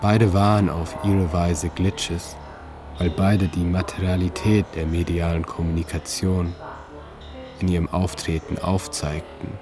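A man reading his own literary narration in a calm, measured way, with slow deliberate pauses. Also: sits low. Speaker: narrator and author. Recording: narration over music.

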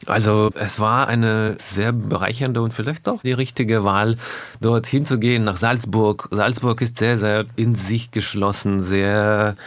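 A man from Russia, a native Russian speaker, talking as a musician guest in a radio interview, thoughtful and often pausing to find his words. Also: lowish voice, fairly even intonation, no echo. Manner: thoughtful, searching for words with pauses.

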